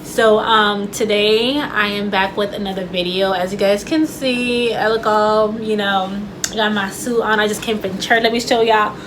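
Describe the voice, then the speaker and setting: A woman's voice: medium pitch, fairly even intonation, moderate pace. A woman vlogging casually to camera. She stutters and talks loosely, with lots of fillers and restarts. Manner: stutters, with repeated words and restarts; chatty and loose, with many fillers. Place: home room with air conditioner running. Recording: faint air conditioner hum.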